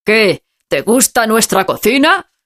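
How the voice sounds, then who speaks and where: A woman's voice: on the high side, big pitch swings, slow, fairly bright tone, pitched above the performer's own voice, full character voice. A woman voicing a proud, cheerful old grandfather with a hearty, friendly manner.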